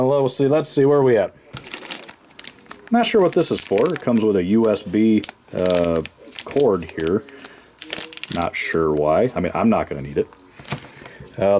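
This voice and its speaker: A middle-aged man with a fairly low voice talks loosely through a model plane review, filling pauses with ums and uhs. He sounds relaxed and unhurried, caught on a camera mic in a home workshop with a faint hum of room noise behind him. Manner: relaxed, rambling, many fillers. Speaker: RC airplane reviewer. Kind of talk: casual hands-on review.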